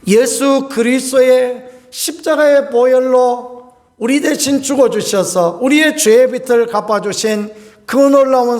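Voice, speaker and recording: A man in his fifties preaching a sermon, telling a homely personal story with animated, folksy delivery and chuckles. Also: very high-pitched. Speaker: pastor.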